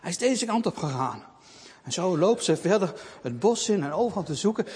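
Animated male storyteller, long reverb. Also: high voice, fairly quick, breathy edge. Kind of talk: reading a Christian children's story.

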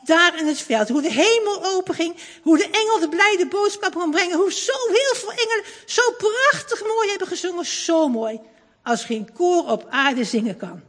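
Expressive woman reading a kids' story. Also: extremely high pitch, moderate pace. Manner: warm, expressive, lingering. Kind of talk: reading a children's story aloud. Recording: long hall reverb.

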